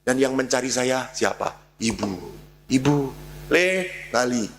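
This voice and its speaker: A man, a Catholic priest preaching a sermon as an animated storyteller who acts out the dialogue. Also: mid-range voice, a little slow, a little hiss or hum.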